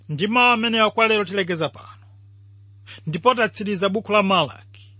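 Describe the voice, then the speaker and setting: A Malawian man delivers a scripted radio Bible teaching in a strikingly high voice. The tone is bright and forceful yet husky, and the sound is dry and close. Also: no echo.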